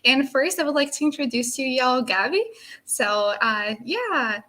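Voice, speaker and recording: A woman's voice: high voice, expressive, measured pace, bright, forceful tone. A woman hosting an online panel who welcomes everyone and introduces the guests over a video call. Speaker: host.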